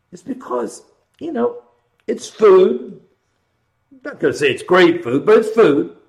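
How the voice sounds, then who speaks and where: This man has an American accent and talks at a fairly slow pace with long, frequent pauses. His loudness swings widely. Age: 60s. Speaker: televangelist talk show host. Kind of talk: live TV political commentary monologue. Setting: live TV studio broadcast. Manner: conversational, animated.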